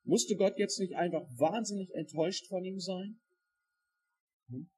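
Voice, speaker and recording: A man preaching a sermon, expressive and dramatic, acting out quoted voices with shifting loudness. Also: high voice, measured pace, breathy edge.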